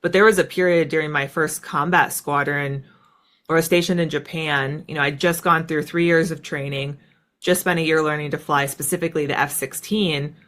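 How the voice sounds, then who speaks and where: A woman's voice: deep voice, fairly even intonation, fairly quick, fairly bright tone. An American woman talking as an interview guest in a casual, reflective storytelling style, often dropping in "like" and "right.". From United States. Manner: conversational, peppered with "like" and "right". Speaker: interview guest, former military fighter pilot.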